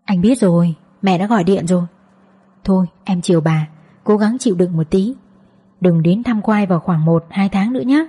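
A woman's voice: mid-range voice, moderate pace, mellow, breathy edge, close to an everyday voice. A woman doing a curt, dismissive husband. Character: dismissive impatient young husband.

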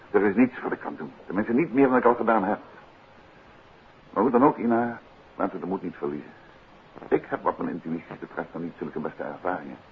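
An actor playing an unruffled gentleman detective and teasing husband in a 1950s radio play, wry and courteous. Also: deep voice, brisk, long pauses. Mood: teasing, relaxed. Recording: muffled, hissy 1950s radio recording.

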